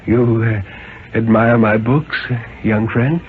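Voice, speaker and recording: A man voicing a gentle, white-haired old bookshop proprietor with a quiet, sympathetic, hesitant way of speaking, in a radio story reading. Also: fairly low pitch, steady tone, slow, narrow, tinny audio, slight background noise. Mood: kindly, knowing. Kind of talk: 1950s radio dramatic reading. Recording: thin, band-limited 1950s radio recording with music.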